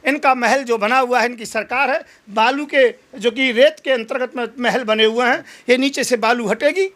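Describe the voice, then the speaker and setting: A man's voice: very high voice, moderate pace, a bit bright. A man giving an impassioned political interview, speaking in combative, emphatic oratory full of rhetorical challenges.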